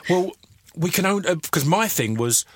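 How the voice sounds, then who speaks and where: A man's voice: high voice, lively intonation, normal speed, fairly bright tone, no room sound. A man hosting a casual chat, easygoing, stumbling over words and laughing along. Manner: easygoing, many restarts and stammers, laughs along.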